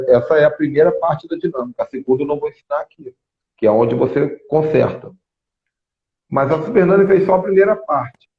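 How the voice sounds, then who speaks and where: A man, apostle and host, telling stories in a lively live religious teaching talk. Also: a little high. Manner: animated storytelling, many restarts. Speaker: apostle and prophet, show host. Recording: echoey, phone-like thin sound.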